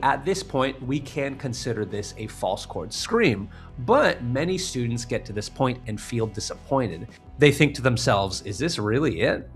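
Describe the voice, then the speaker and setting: Male vocal coach: animated, bright and creaky, emphatic tutorial delivery. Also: medium pitch. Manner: emphatic step-by-step explaining. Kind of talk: instructional tutorial.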